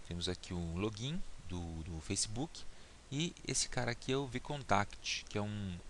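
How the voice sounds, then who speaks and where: A man with a somewhat low voice narrates a computer tutorial at an easy pace. He talks the viewer through each click and keeps checking in, and a faint hiss and mouse clicks sit under his voice. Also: a little slow, fairly bright tone. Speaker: instructor. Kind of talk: screen-recorded software tutorial.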